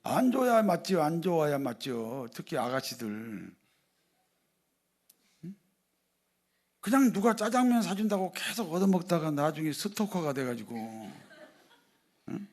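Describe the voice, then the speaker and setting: A male pastor giving a sermon, often putting rhetorical questions to the congregation and moving between loud emphasis and quiet asides. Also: on the high side, big pitch swings, a little slow, long pauses.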